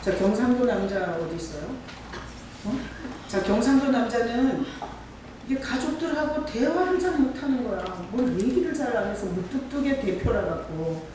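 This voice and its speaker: A woman's voice: on the high side, animated, moderate pace, darkish tone, a little hiss or hum. A woman pastor giving a conversational sermon, often asking the congregation questions. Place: church sanctuary. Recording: echoey church hall from far off.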